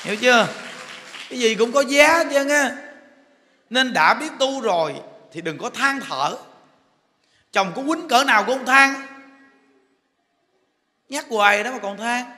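Southern Vietnamese male monk, high bright voice, joking storyteller preaching; echoey hall. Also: animated, measured pace, long pauses. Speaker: Buddhist monk teacher. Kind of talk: humorous dharma talk. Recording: echoey hall with faint noise.

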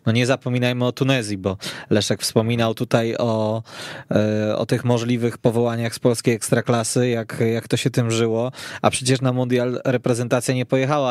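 A man hosting a football discussion, phrasing things deliberately with frequent hesitations. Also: mid-range voice, darkish tone, no room sound, studio quality. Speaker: podcast host.

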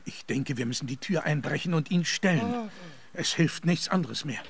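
An actor playing an earnest, commanding gentleman, worried for his friend, speaking formally and gravely in a radio play. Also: fairly high pitch, animated, moderate pace, a little hiss or hum.

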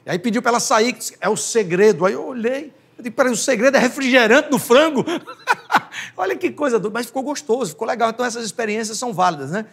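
A man in his forties hosting a TV talk show, joking and telling stories in an animated way. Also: extremely high pitch, fast talker, husky. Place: TV studio, indoors.

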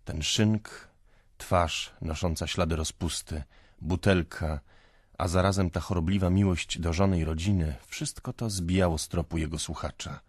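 A man narrating a classic novel in a measured, grave manner. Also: deep voice, steady tone, breathy edge, dry recording, clean studio sound. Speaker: audiobook narrator. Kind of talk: scripted literary narration.

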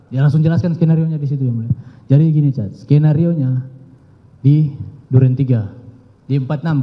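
A young man giving halting, deferential testimony in court, repeatedly addressing the judge. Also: on the high side. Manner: halting, deferential, often says "Yang Mulia". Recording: muffled broadcast audio with long courtroom reverb.

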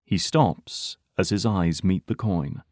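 A man with a fairly low voice narrates an audio drama. His delivery is scripted, dramatic storytelling. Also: slow, darkish tone.

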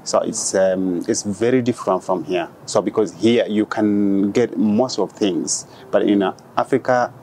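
A young man from Kenya, a guest in an interview, speaking haltingly with many restarts, on a lapel mic in an outdoor dome. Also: lowish voice, warm tone, slight background noise, rough recording. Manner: halting, with frequent restarts and fillers. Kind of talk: conversational interview. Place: outdoor glass dome on a city square.

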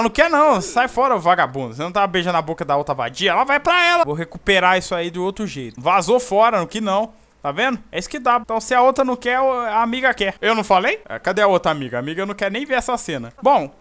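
A young Brazilian man with a Brazilian Portuguese accent does casual, jokey let's play commentary, even chatting with the game characters. His voice is high-pitched and a bit bright.

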